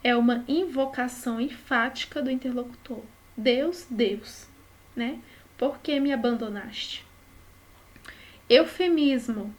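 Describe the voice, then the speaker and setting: A woman whose voice sits high teaches a study lesson at a measured pace, her Brazilian Portuguese accent evident. Patient in her explanations, she keeps checking in with quick tag questions.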